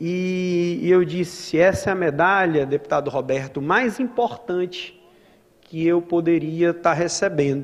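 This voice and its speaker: Against noticeable background noise, a man speaks in a high voice. His pace is fairly slow, with ordinary pitch variation. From Amazonas, Brazil. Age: 40s. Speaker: lawyer. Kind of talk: acceptance speech. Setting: legislative assembly ceremony.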